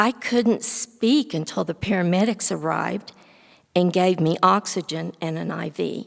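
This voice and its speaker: At a fairly slow pace, a woman talks at a medium pitch with ordinary pitch variation and vocal fry. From New Mexico, Roswell. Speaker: storyteller. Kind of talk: reading aloud. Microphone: technical audio problems in video.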